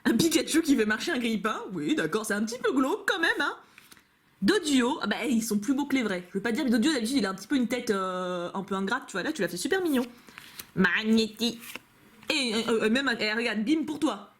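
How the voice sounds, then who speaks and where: Her fairly high voice has lively intonation and a brisk pace as she goes through fan-made cards at home. It's a casual unboxing chat from a young woman YouTuber, captured on a camcorder, full of gushing, playful talk and frequent laughter.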